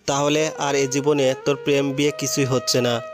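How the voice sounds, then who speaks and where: A man's voice: mid-range voice, level tone, normal speed, close to an everyday voice. A man reading the part of a joking, mocking young male friend, with music behind.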